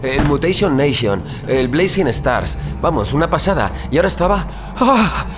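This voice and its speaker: A man playing a dim, excitable, fawning gamer underling who stammers and exclaims, in a comedy horror audio drama. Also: a little high, normal speed, over music. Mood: dazed, excitable.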